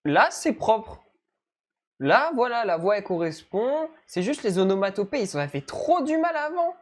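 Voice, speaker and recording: A woman giving casual reaction commentary in an expressive, exclamatory, colloquial way, as a video host. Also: medium pitch, moderate pace, a crowd in the background.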